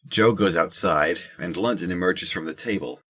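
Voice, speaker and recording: Deep, husky male narrator. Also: moderate pace, fairly bright tone. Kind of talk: scripted audio drama narration.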